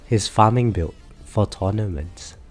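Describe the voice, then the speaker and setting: A man's voice: on the low side, unhurried. A man with a cold and a stuffed-up nose, sounding nasal as he chats casually on a live game stream, hesitating and correcting himself often. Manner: relaxed, hesitant with many fillers and self-corrections. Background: faint background music.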